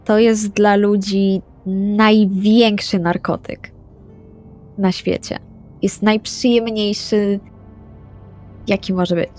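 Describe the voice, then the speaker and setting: A woman's voice: mid-range voice, fairly even intonation, slow, pauses often, a little mellow, soft background music, lightly acted. Woman playing earnest, remorseful young vampire woman. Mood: defensive. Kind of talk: improvised roleplay audio drama.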